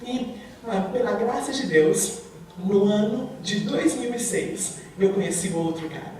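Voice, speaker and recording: A woman giving an earnest testimony sermon in a church, speaking with emphasis and addressing the congregation warmly. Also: mid-range voice, unhurried, crowd noise. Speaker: speaker at a church recovery program. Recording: very echoey hall, from far off.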